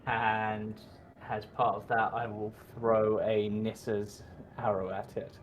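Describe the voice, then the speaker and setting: A man playing a tabletop game, talking in a relaxed, hesitant way with many fillers. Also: on the low side, takes it slowly, slight background noise. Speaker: player. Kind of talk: casual tabletop play.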